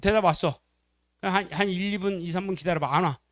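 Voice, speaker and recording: A male pastor gives a family-life sermon in a church, spinning animated stories and quizzing his congregation as he goes. His voice sits high for a man, and the sound is close and dry. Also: fairly quick, no room sound. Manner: animated storytelling, acts out quotes, questions the congregation.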